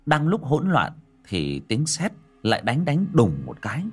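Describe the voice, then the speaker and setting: A man's voice: medium pitch, huge pitch swings, measured pace, husky, soft background music. A man narrating a ghost story with dramatic, swooping delivery.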